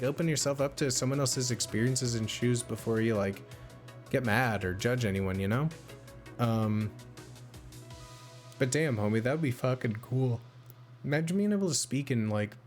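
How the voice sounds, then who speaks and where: A man's voice: mid-range voice, a little mellow. A man livestreaming, chatting casually with viewers in a slangy, rambling way, full of bro and homie. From United States. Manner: slangy and laid-back, often saying bro and homie; rambling, with many fillers and restarts.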